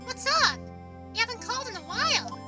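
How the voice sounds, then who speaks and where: Bubbly, teasing teen girl on a phone call; squeaky-high and sing-song, distant mic under loud music. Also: sing-song, fairly quick, no room sound, heavily acted. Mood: chirpy. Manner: high, playful and chirpy. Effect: heard over the phone.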